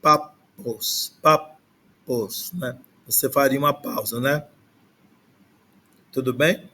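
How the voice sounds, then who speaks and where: A man's voice: mid-range voice, fairly bright tone, a little hiss or hum. A man teaching an ancient Greek class, explaining pronunciation patiently and glossing words one by one, often checking in with "né?". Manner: slow, patient explaining with frequent "né?". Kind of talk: online language class.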